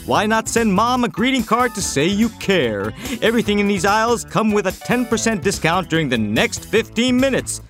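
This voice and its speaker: A man's voice: high-pitched, very animated, normal speed, a bit bright, faint music behind. A man reading a cheerful supermarket announcement, listing items on sale like a store announcer. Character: upbeat male store announcer.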